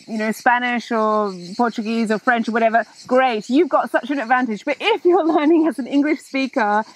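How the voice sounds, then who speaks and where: High-voiced woman chatting outdoors. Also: normal speed, no echo, poor audio. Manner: animated, laughing, talks with her hands. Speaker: host. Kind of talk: casual chat. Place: outdoors in a garden, seated in a hammock.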